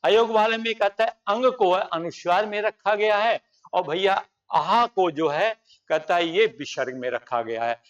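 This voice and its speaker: High-voiced man teaching from a board. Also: fairly bright tone, recorded from a distance, dull audio. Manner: explanatory, repeats points, points at the board. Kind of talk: exam-prep grammar lesson.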